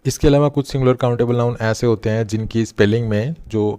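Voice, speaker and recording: A man teaching English grammar in a patient, repetitive way, slowing down to spell out sounds. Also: medium pitch, steady tone, mellow, clear, resonant tone, no room sound. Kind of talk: classroom grammar lesson.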